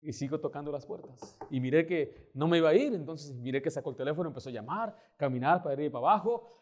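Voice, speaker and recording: A male pastor, preaching a sermon and telling stories with emphatic, lively delivery. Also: fairly high pitch, fast talker. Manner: storytelling, acting out quoted voices, emphatic.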